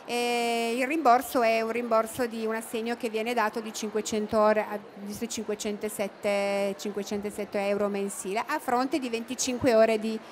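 A woman's voice: on the high side, level tone, moderate pace, few pauses, slight background noise. A middle-aged woman answering interview questions at an expo booth into a handheld mic, with many fillers and restarts. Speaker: interviewee, cooperative representative. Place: expo booth studio, indoors.

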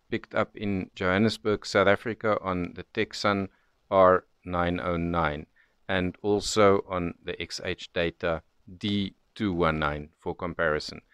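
A man narrates a hobbyist demonstration as if from prepared notes. His voice is low and smooth, with clean tone and very little room sound around it. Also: fairly bright tone, dry recording. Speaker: shortwave radio hobbyist presenter. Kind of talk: scripted-sounding review narration.

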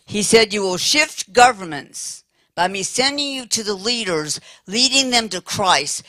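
An older American woman preaching a lively sermon with humor, talking in a big, animated, playful voice. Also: lowish voice, no echo.

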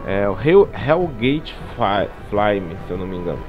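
A man's voice: on the low side, sing-song, measured pace, highs cut off, faint music behind. A man with a Brazilian Portuguese accent giving a casual game walkthrough, chatty and tagging "tá?" onto nearly every phrase. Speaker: gaming channel host. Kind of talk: casual gameplay walkthrough commentary. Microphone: voice-over commentary over game capture.

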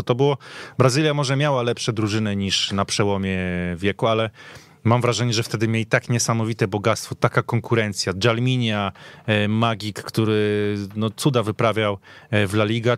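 Low-pitched man talking football. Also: dry recording. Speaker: panel guest. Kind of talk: casual sports podcast discussion. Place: radio studio.

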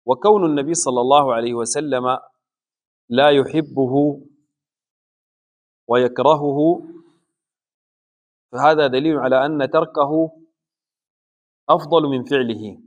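Guy giving a religious lesson, slow and careful, lots of pauses, mid-pitched voice. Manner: slow deliberate explanation with pauses. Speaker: Islamic scholar teaching a book.

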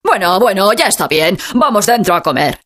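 A woman's voice: mid-range voice, very animated, normal speed, a bit bright. A woman voicing a proud, cheerful old grandfather with a hearty, friendly manner.

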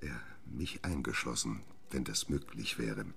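An actor playing a proud, troubled gentleman scientist in a German radio drama, theatrical and halting, moving between murmurs and outbursts. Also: rumbling low, creaky, heavily acted. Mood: grave, pleading.

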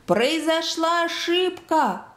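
A woman voicing a desperate male children's doctor who shouts and pleads, read aloud in a roomy space. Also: very high voice, lively intonation, slow pace, pitched above the performer's own voice, full character voice. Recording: roomy echo.

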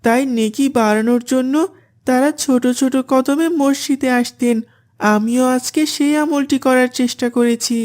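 A woman's voice: high-pitched, fairly even intonation, moderate pace, a little mellow, natural voice. A woman voicing a dutiful, devout young boy in a cartoon, polite and earnest.

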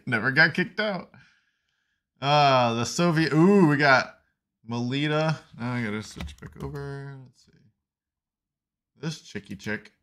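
A man's voice: mid-range voice, a little slow, long pauses, a bit bright. A man co-hosting a casual science podcast, reading articles aloud and dropping playful asides. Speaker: podcast co-host.

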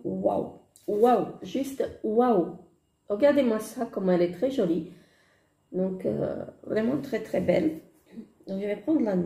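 A woman with a hoarse voice, chatting hesitantly through a makeup haul with many fillers and gushing exclamations. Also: medium pitch, mellow, reverberant. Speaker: beauty vlogger. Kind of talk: casual makeup haul chat. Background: construction noise.

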